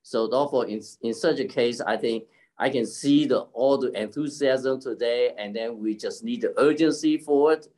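Halting older man giving an informal speech. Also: medium pitch, darkish tone. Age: older, about 70s. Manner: halting, with frequent throat-clearing. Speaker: keynote speaker and community leader. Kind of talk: informal extemporaneous speech on an online forum. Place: indoor room at home, by a curtained window. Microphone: video call, device mic at desk distance.

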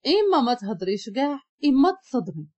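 A woman voicing a quiet, reserved young male boss with a Moroccan accent, speaking briefly and calmly. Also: very high voice, fast talker, dull audio, heavily acted. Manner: brief and calm.

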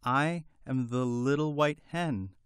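A man's voice: mid-range voice, slow, clean tone, no echo, studio quality, pitched above the performer's own voice, close to an everyday voice. A man voicing a timid little white hen with a small, frightened, chirping voice in a storybook reading.

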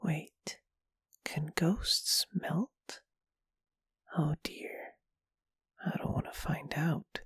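A performer voicing a shy, gentle, lovestruck ghost in an ASMR roleplay, in a breathy, soft, hesitant and tender whisper. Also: medium pitch, very slow, pauses often, no room sound, clean studio sound. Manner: bashful, tender, hesitant, intimate. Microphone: close microphone, dry.

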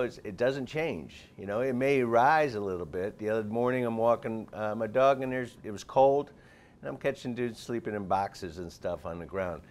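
A middle-aged man talking in a chatty, promotional way in a TV studio interview, gesturing as he speaks, on a lapel mic. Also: fairly low pitch. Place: TV studio set.

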